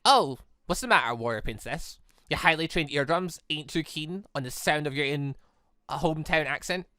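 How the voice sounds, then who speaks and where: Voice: medium pitch, animated, normal speed, bright, forceful tone, no room sound, studio quality, voice pushed down. A game commentator voicing a young warrior woman's bitter alter ego, mocking and accusing. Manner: taunting, accusing.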